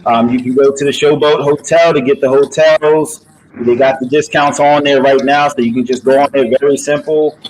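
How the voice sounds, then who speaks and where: A man's voice: medium pitch, fairly even intonation, moderate pace, a little mellow, low-quality recording. A man talking casually as a boxing promoter, upbeat and urging, with a motivational streak.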